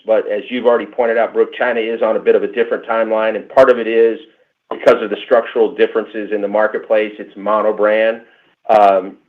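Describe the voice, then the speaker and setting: A man answering analyst questions on an earnings call, measured and emphatic, pausing and restarting as he talks. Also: mid-range voice. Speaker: company executive answering analysts. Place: conference call line. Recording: tinny phone line.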